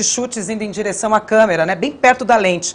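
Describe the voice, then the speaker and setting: Against noticeable background noise, a woman talks fairly quickly at a medium pitch with ordinary pitch variation. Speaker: TV talk show host. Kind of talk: TV studio interview. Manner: loud.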